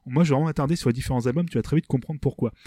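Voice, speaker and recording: A man's voice: medium pitch, racing, mellow, no echo, studio quality. A man co-hosting a casual music podcast, rambling and hesitant with many fillers. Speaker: podcast co-host presenting a band. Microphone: desk microphone.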